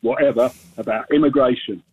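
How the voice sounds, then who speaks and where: Husky seventy-year-old man on a phone line. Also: medium pitch, brisk. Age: 70s. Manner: insistent, talks over the host. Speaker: caller. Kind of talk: radio phone-in call.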